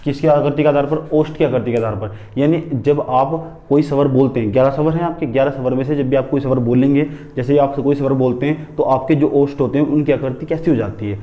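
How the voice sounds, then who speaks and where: A male Hindi teacher lectures a class at a middle pitch, drilling terms by repeating them and posing questions he answers himself. He keeps telling students to write headings in their notebooks. The sound is a little dull and lo-fi. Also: quick pace, few pauses.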